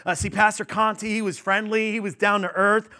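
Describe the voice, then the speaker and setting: Bright-voiced pastor preaching conversationally. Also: male voice, sits high, little pitch movement, fairly quick. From New York. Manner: conversational and warm-humored with the congregation, many fillers. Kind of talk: sermon.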